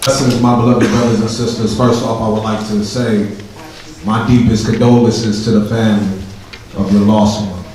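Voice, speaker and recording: A male community activist giving a formal, steady public address and speaking directly to the crowd. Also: on the low side, moderate pace. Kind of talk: public speech. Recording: very echoey room, distant mic, faint noise.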